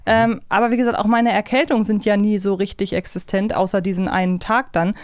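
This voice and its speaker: A woman with a smooth, clear voice of medium pitch chats as a podcast co-host. She is casual and reflective, in a dry, close recording. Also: fairly even intonation, fairly quick, dry recording. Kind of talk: casual conversational discussion.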